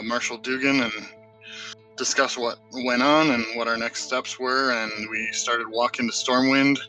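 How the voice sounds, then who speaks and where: A man's voice: medium pitch, bright, forceful tone, distant mic, low-quality recording. A man playing in a tabletop game, recapping the last session on an audio-only call, rambling with lots of fillers. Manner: self-deprecating, rambling with many fillers. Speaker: player. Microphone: audio only on a video call, no camera.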